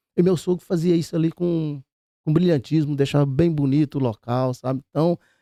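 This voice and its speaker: Fairly high in pitch, this man's voice has a dark, mellow tone, fairly even intonation and a moderate pace, with a dry, close sound and no echo. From Brazil, São Paulo state interior (Ilha Solteira). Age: 60s. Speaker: accountant. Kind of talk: podcast interview, personal life story.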